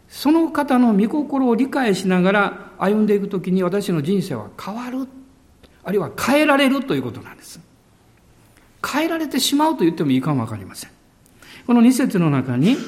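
A male pastor preaching a sermon with emphasis, drawing out key words slowly. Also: very high voice, darkish tone.

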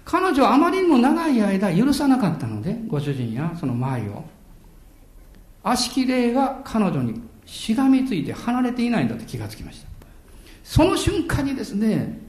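An older man preaching in an echoey room. His voice sits high and swings widely in pitch as he tells stories with dramatic pauses and the odd chuckle. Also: a little mellow. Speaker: pastor. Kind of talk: sermon.

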